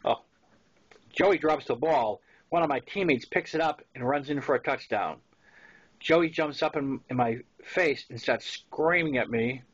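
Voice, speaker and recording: Male narrator, 60s, Boston accent, conversational memoir read, average pitch, muffled lo-fi recording. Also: measured pace, breathy edge. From Massachusetts, US. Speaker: author reading his own novel. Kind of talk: narrated memoir reading with casual asides.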